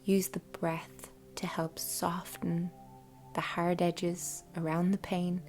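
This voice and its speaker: Soft, low, breathy woman guiding meditation. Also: level tone. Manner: soft, breathy, half-whispered, unhurried delivery. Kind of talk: guided meditation, soothing scripted narration. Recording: soft music bed behind voice. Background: quiet background music.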